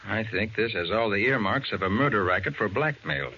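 A male private detective from a vintage radio crime drama. His voice is bright and forceful, with swooping intonation and a clipped, sure delivery. The old recording is dull and narrow. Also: on the low side, expressive, fairly quick, husky, full character voice. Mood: brisk, assured.

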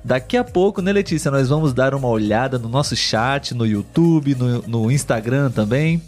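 Slow, teacherly Brazilian man. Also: mid-range voice, lively intonation, darkish tone, soft background music. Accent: Brazilian Portuguese. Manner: slow, clear, teacherly delivery with frequent "né?" checks. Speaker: podcast co-host. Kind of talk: live podcast chat for language learners.

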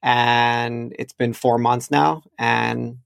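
A man's voice: medium pitch, flat delivery, drawn-out words, creaky, a bit bright, no room sound, clean studio sound. A man hosting a podcast, chatting casually and laughing easily while he interviews a guest. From Chechnya. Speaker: podcast host.

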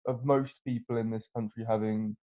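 A man's voice: mid-range voice, fairly even intonation, brisk. A man co-hosting a podcast over a video call, earnest, stammering through restarts. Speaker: podcast co-host. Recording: tinny phone-like video call audio.

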